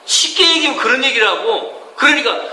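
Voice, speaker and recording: A man's voice: very high voice, animated, fairly quick, pushed and bright. A man giving a sermon-style lecture to a congregation, folksy and emphatic, often asking the audience questions. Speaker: preacher teaching a course. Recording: echoey room with faint ambience.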